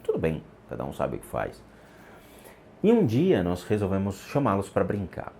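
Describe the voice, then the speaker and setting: A man in his forties telling a personal story in an unhurried, reflective way, with pauses and restarts. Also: deep voice, huge pitch swings, vocal fry, a little mellow, a little hiss or hum. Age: 40s. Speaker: vlogger. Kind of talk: storytelling vlog about a haunted childhood house.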